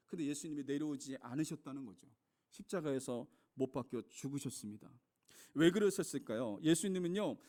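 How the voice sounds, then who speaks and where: In a high, slightly mellow voice, a male pastor delivers an earnest sermon that builds to emphatic peaks. He keeps calling out to his congregation as "여러분".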